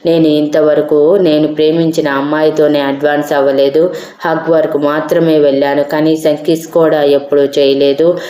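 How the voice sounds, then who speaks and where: A woman's voice: sits low, level tone, normal speed, dark tone, lightly acted. A stern angry young man, as a woman reads him. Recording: roomy echo.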